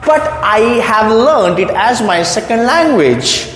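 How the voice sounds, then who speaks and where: A man teaching English as his second language in a gentle, reassuring tone. He repeats phrases and asks questions back to the listener. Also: sits high, sing-song, slow pace. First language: not English. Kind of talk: motivational spoken lesson to camera. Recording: echoey room with long reverb.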